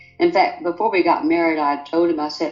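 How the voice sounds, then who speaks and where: This woman speaks in a Southern US accent. Her pace is moderate. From US South. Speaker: astronaut's wife. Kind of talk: interview testimony.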